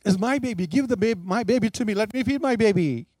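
A man's voice: a little high, animated, brisk, mellow, no echo. A man voicing a young mother who begs for mercy, repeating her pleas. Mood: pleading. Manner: begging, repeating words. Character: young mother pleading for mercy, woman, desperate.

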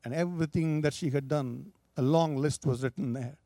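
A man's voice: on the high side, normal speed, mellow, no room sound. A man preaching, telling a story with emphatic, dramatic delivery. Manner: emphatic, rising and falling for drama.

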